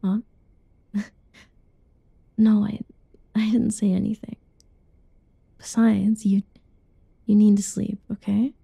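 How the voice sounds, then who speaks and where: A young woman doing a whispered ASMR roleplay in a soft, teasing whisper, recorded close and dull. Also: mid-range voice, little pitch movement, slow, vocal fry, long pauses, breathy edge, no echo.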